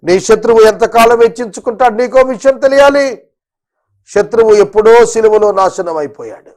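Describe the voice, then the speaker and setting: A man's voice: high-pitched, moderate pace, a little mellow. A man preaching a sermon, pressing listeners with repeated rhetorical questions and dropping in English phrases.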